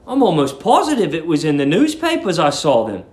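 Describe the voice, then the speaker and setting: A man's voice: fairly high pitch, wildly swooping pitch, brisk, darkish tone. A man playing an earnest, polite seventeen-year-old lodger in a story reading, puzzled and hesitantly groping for words. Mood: searching, excited. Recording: roomy echo.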